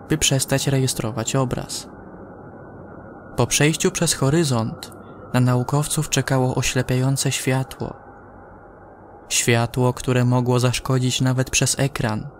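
A man narrating a scripted science-fiction horror story in a measured way, with dramatic pauses. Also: medium pitch, a little hiss or hum.

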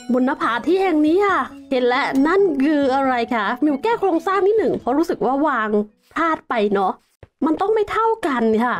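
Excitable high-pitched woman gaming. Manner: excitable, playful, talks to the dragon, frequent laughs and exclamations. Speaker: Minecraft let's-play host. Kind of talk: casual gameplay commentary.

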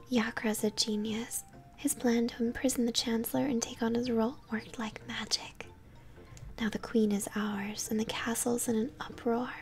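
A woman's voice: fairly high pitch, big pitch swings, takes it slowly, pauses often, darkish tone, faint music behind, exaggerated voice. A woman voicing a smug, human-hating monster henchman in a game, in a sneering whisper. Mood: gloating.

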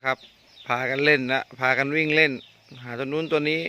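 A man filming his cattle on a farm outdoors, chatting excitedly in casual commentary and often laughing. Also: on the high side, brisk, slight background noise. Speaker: farm vlogger. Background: birds and chickens, faint outdoor ambience.

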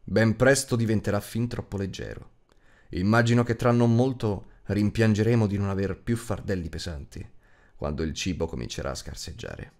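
A man's voice: lowish voice, moderate pace, darkish tone, close to an everyday voice. A man voicing a grave male dwarf leader in an audiobook, dryly reassuring. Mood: dry reassurance. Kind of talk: audiobook character acting.

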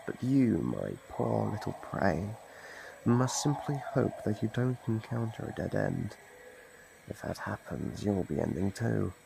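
A man's voice: lowish voice, gravelly, noisy background, heavily acted. A man voicing a gleefully predatory monster from under the bed in an ASMR horror roleplay, mockingly polite and menacing. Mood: gleeful, excited.

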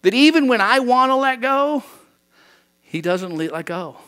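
A male pastor preaching a sermon in church in a relaxed, conversational way, often acting out bits of dialogue. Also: very high voice, a little slow.

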